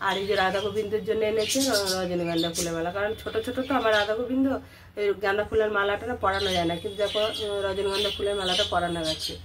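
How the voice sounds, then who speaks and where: A woman's voice: mid-range voice, fairly even intonation, very fast, background noise. A middle-aged woman narrates her day at home casually, chatting directly to viewers and repeating phrases for emphasis. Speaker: homemaker and vlogger. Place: indoors at home.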